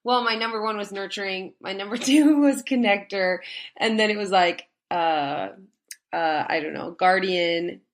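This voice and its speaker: Female podcast co-host, stuffy nose, playful, laughs easily, mid-pitched voice. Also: a little slow. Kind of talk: casual chat.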